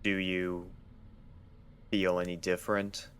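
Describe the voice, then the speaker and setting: Storybook doctor pony, male man acting: deep voice, controlled, reassuring, courteous and clinical. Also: monotone, fairly bright tone, clear, resonant tone. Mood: calm, reassuring. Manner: measured, soothing, polite.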